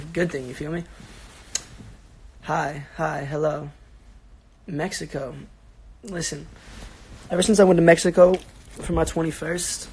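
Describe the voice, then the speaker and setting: A young man in his twenties with a raspy, sick-sounding voice, chatting casually and answering fans on a phone livestream from his bedroom. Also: a little high, darkish tone. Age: 20s. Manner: laid-back, rambling, slangy, answering fans. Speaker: social media personality on a livestream. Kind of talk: casual livestream chat reading comments. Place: bedroom at home.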